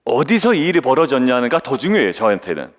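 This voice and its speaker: A man's voice: mid-range voice, sing-song, fast talker. A male pastor preaching an early-morning devotional sermon, often questioning his congregation and acting out the voices he quotes. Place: church sanctuary. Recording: long reverb of a church hall.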